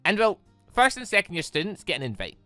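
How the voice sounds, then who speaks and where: A man voicing an earnest, patient young man in a visual novel, hesitant and gently coaxing. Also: high voice, very animated, quick pace, no echo, soft background music, exaggerated voice. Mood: hesitant, explaining. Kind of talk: visual novel character reading.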